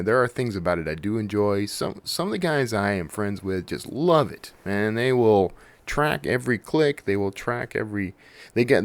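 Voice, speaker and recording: A man's voice: sits low, no echo. A man hosting a podcast, chatting casually and conversationally to his listeners with jokey asides. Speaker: podcast host.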